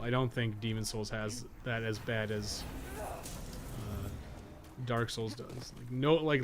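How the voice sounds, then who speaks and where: A man giving casual live gameplay commentary as a streamer, rambling and thinking aloud with frequent swearing. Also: mid-range voice. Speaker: video game streamer and guide writer. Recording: clearly noisy background.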